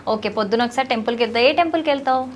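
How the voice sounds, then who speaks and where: Teasing woman interviewer, high voice. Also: rapid-fire, a little hiss or hum. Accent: Telugu. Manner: teasing, affectionate, animated questions. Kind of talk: playful interview with a child.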